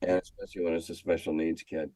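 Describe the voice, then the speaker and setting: An older American man reminiscing in a casual, halting, anecdotal way, often repeating himself as he goes. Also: sits low, level tone, dark tone, no echo. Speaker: guest, former schoolteacher. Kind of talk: casual storytelling interview.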